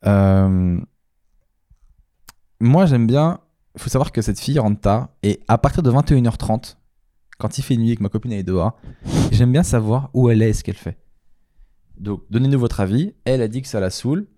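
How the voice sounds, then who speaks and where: Playful man with a dark, dry voice. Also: medium pitch, normal speed, long pauses, no room sound. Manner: playful, addresses the audience directly. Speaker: co-host of a couple's show. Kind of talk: casual chat.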